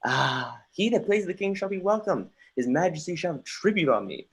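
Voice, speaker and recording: A performer acts out a young Danish prince in a Shakespearean stage reading. He is sardonic and brooding, declaiming theatrically at a middling pitch, with the odd stumble over the verse. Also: big pitch swings, normal speed, breathy edge. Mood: curious, wry. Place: remote livestream from home.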